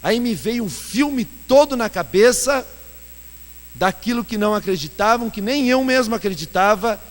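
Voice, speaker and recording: A man's voice: high-pitched, moderate pace. A male pastor preaching a sermon and telling self-mocking stories, recorded in a church hall with long reverb. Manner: animated storyteller, self-mocking. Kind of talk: sermon with anecdotes.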